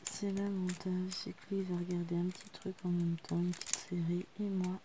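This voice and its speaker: A woman's voice: lowish voice, little pitch movement, moderate pace, a little hiss or hum. A woman in her thirties, a vlogger chatting casually to the camera while she works on a craft at home. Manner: chatty, talking quietly to the camera while working. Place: living room at home.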